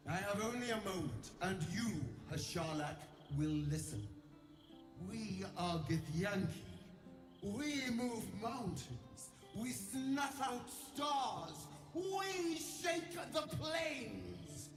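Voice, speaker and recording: Slow, booming tyrant undead queen. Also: expressive, reverberant, music in the background. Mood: imperious, scornful. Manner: grandiose, commanding, drawn-out emphatic delivery. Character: tyrannical undead alien warrior queen, imperious, wrathful, godlike. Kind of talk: video game dramatic acting.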